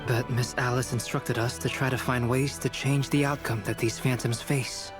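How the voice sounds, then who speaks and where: An actor voicing a calm, analytical male advisor in a game, speaking measured and formal. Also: medium pitch, lightly acted. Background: game music.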